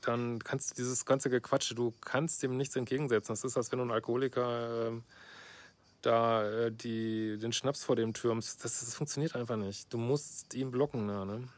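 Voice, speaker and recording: Reading out a viewer's letter for a casual reaction vlog, a middle-aged couples therapist offers blunt, sarcastic commentary studded with fillers and "ne?" tags. His voice is medium-pitched, fairly even and moderately paced.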